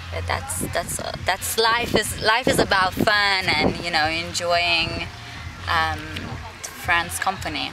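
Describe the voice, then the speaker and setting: Loud background noise surrounds a woman with a Lithuanian accent who speaks at a very slow pace with long, frequent pauses, in dry sound with no echo. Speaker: reality TV personality. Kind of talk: interview answer. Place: garden. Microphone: phone near.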